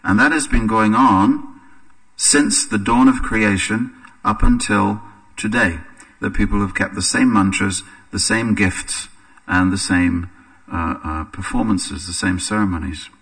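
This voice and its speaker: An English man giving a scripture class in a temple, relaxed and anecdotal, with frequent hesitant fillers. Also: lowish voice, unhurried, slightly rough, far from the mic, poor audio. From England. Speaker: religious teacher. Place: temple hall.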